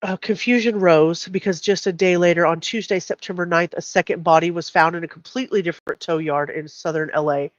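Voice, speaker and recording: A woman's voice: on the low side, fairly even intonation, a little fast, few pauses, no echo, lo-fi sound. A middle-aged woman, hosting a casual true crime live stream, reading out and commenting in a conversational, blunt way.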